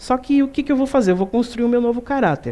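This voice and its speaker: This woman speaks at a fairly high pitch. Her tone is dark and mellow. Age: 40s. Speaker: spiritist lecturer. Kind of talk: lecture.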